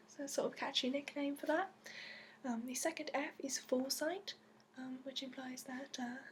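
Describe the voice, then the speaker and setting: A woman voicing a gentle, seasoned dragon keeper in a soft, whispery, hesitant ASMR roleplay with a put-on accent. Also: sits high, a little hiss or hum, close to an everyday voice. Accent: put-on, phony. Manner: hesitant, gentle, reassuring, full of ums. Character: gentle, seasoned female dragon-keeper interviewing a new recruit. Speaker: dragon companion interviewer and guide.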